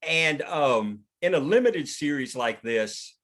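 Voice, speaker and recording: A man's voice: fairly high pitch, expressive, slow pace, a bit bright. A man leading a casual script discussion, explaining his thinking informally with the odd swear word. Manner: informal, explanatory, occasionally profane. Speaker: writer leading a script table read.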